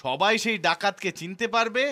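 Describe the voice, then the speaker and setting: A man's voice: sits high, animated, a little fast, pushed and bright, clear, resonant tone. A man voicing a shrewd, confident court jester in a children's cartoon, persuasive and sing-song. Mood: shrewd, brisk.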